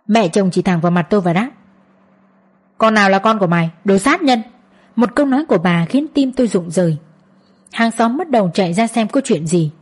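A woman's voice: mid-range voice, warm tone, husky. A woman narrating a first-person family story in an emotional, heartfelt way.

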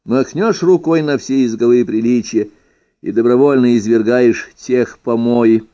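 A man reading an ironic first-person essay aloud, with expressive, playful emphasis. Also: mid-range voice, normal speed. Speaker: reader. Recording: dull lo-fi recording.

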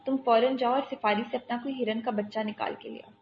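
A woman voicing a calm, commanding young male army captain who steadily coaxes a frightened child, on dull lo-fi audio. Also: a little high, soft background music, natural voice. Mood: urgent. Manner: steady, coaxing, talks a frightened child through danger.

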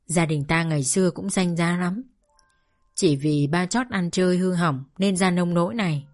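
A gentle, grieving older father speaks in a low, soft, pleading voice, as a woman narrator reads him. His words come slow and heavy with regret. Faint music hums behind him. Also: close to an everyday voice. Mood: sorrowful.

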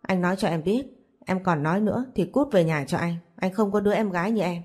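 A woman voicing a stern, quick-tempered young father who scolds curtly, in a storybook reading. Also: lowish voice, darkish tone, husky. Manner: curt, scolding.

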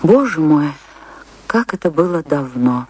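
An actress playing a passionate, dreamy woman dancer reminiscing in a theatrical radio drama, expressive and full of dramatic pauses. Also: low voice, breathy edge, heavily acted. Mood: nostalgic. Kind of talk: theatrical Russian radio drama, monologue and dialogue.

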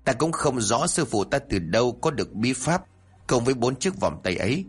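A man voicing a kindly older male exorcist who calmly explains things to a girl. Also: mid-range voice, moderate pace, breathy edge. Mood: earnest.

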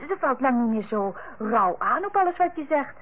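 A lively young niece from a vintage radio drama. Her voice is high and swings freely up and down. The recording is thin and tinny. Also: normal speed. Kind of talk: old radio play acting.

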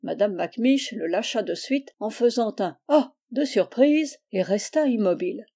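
A woman reads a classic children's novel aloud in a measured, even manner. Her voice is mellow and warm, in a middle pitch. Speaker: audiobook reader. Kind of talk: storybook narration.

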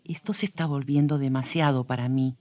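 A man doing a soft, weary housewife. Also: medium pitch, fairly even intonation, fairly quick, no room sound, natural voice. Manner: soft, pleading. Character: weary, overworked young wife.

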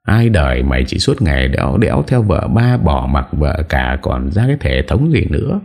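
A man's voice: rumbling low, very animated, normal speed, creaky, a little mellow, full character voice. A man voicing a stern elderly patriarch who lectures his son in a storybook reading.

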